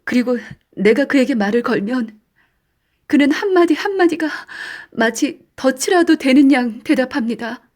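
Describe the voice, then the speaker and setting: A woman performs as a distraught wife in an audiobook drama. Her voice is high and full of dread. She speaks haltingly, pleading and anguished, as if confiding a terrible fear. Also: lively intonation, darkish tone. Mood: fearful.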